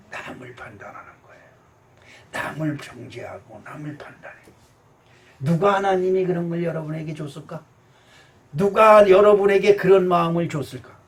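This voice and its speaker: A male pastor giving a sermon, animated, swinging from shouts down to quiet murmurs. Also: a little high, vocal fry, recorded from a distance.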